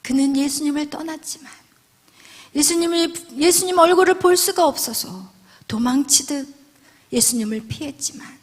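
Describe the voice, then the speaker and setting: A woman preaching a sermon. Her delivery swings from loud, emphatic lines down to hushed whispers. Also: high-pitched. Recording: long hall reverb.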